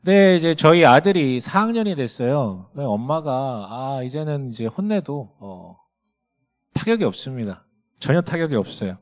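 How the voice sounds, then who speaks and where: Lively-voiced pastor telling a family story. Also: male voice, on the high side, normal speed. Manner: lively storytelling, acting out dialogue with his son. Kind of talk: sermon with personal story. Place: church sanctuary.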